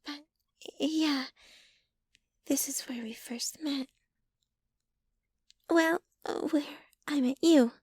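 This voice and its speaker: A woman acts out a lovestruck, slightly obsessive young girlfriend in an ASMR audio drama. Her voice is high and soft, often nearly whispered, with a shy, giggly delivery. She talks slowly and haltingly, very close and dry on the microphone. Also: dry recording. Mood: tender, bashful. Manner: bashful, giggly, halting, gushing. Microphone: close microphone, dry sound.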